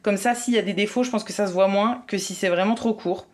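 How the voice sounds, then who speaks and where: A woman's voice: mid-range voice, fast, over loud music. A woman vlogger chatting casually, tentative and thinking aloud as she goes. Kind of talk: casual vlog chat.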